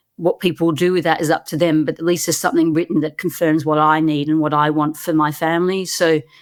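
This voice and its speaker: A woman with an Australian accent speaks at a very fast pace with hardly any pauses, in a very deep, low voice with monotone, flat intonation. Her loudness stays very even on a very clean recording with a silent background. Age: 50s. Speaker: wealth-building programme member. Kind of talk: podcast interview.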